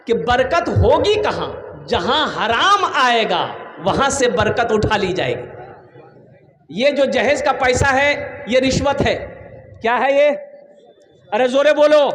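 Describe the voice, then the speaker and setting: A man giving a lively comic sermon and calling out questions to the audience. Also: extremely high pitch. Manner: animated, calls out questions to the audience. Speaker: Islamic preacher. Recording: echoey hall recording, faint background noise.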